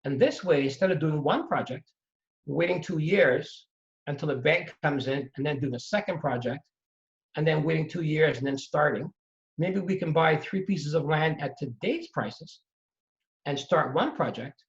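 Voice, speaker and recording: A middle-aged man from Trinidad and Tobago, a real estate investor telling his story in an emphatic, animated way during a conversation. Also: on the high side, moderate pace, vocal fry. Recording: dull lo-fi audio.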